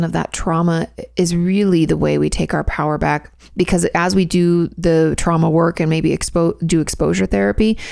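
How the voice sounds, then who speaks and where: Woman therapist-host, low gravelly tone, gentle and reassuring, dry recording. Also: no echo. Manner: gentle, reassuring, repeats phrases while thinking. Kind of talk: advice podcast answering listener questions.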